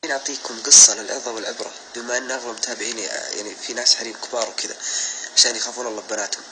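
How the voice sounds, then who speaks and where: A man's voice: mid-range voice, fairly even intonation, very fast, noisy background. A man tells a personal anecdote to his followers in a casual, emphatic way, swearing oaths constantly. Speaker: social media storyteller.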